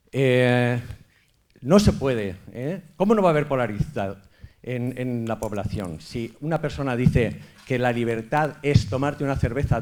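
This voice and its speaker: A man's voice: medium pitch, a little mellow. Man, audience question, blunt, rambling, informal. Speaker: audience member. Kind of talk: audience question at a public talk.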